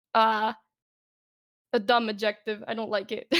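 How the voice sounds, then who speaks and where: Her voice is fairly high for a woman. She talks at a moderate pace. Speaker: VTuber streamer. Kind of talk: casual interview chat. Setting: live stream. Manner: loud.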